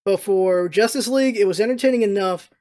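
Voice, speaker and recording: Casual, rambling vlogger with mid-pitched voice. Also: brisk, a little mellow. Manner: rambling, opinionated, informal with mild swearing. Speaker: video blogger giving movie opinions. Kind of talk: casual unscripted movie review chat.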